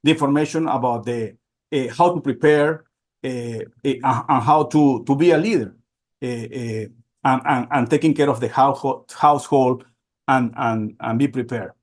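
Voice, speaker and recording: A man from Venezuela, presenting slides on a webinar in halting speech with many repeats and fillers. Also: mid-range voice. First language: Spanish.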